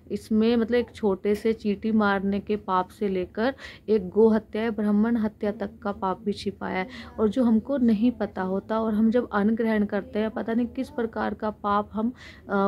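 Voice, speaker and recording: An Indian woman giving an explanatory Hindu religious discourse, speaking earnestly and unscripted with pauses, her throat a little sore. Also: mid-range voice, dull audio. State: sore throat with frequent throat clearing.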